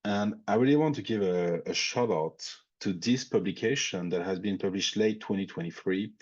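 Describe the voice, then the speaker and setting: A man's voice: on the low side, moderate pace, a little mellow, breathy edge, highs cut off. A man with a French accent presenting a technical webinar, thinking aloud with frequent fillers and restarts. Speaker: industry expert presenting a webinar.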